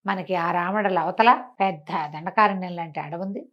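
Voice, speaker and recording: In a fairly low voice at normal speed, a woman narrates a folk tale to a listener, casually explaining details and voicing the characters' dialogue with asides. The audio sounds dull.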